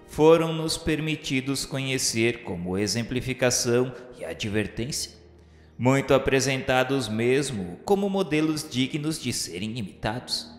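A Brazilian man narrating a scripted audio drama in a solemn, formal literary manner. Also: mid-range voice. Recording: roomy long reverb, music underneath. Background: music.

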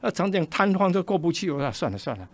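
An older man with a Taiwanese Mandarin accent tells his story as a radio guest. He speaks quickly in a rather high, gravelly voice and acts out every quoted exchange with lively shifts of tone. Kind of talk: personal storytelling in a radio interview.

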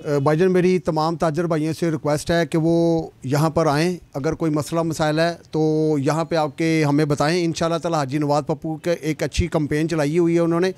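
A man's voice: fairly high pitch, flat delivery, brisk, hardly any pauses, a little mellow, no room sound. Man appealing to fellow traders. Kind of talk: interview answer. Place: crowded indoor office. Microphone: handheld mic.

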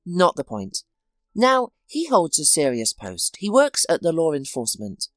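A woman reading as a calm, steady male friend. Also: low-pitched, measured pace, dry recording, clean studio sound, faint music behind, exaggerated voice. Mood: matter-of-fact.

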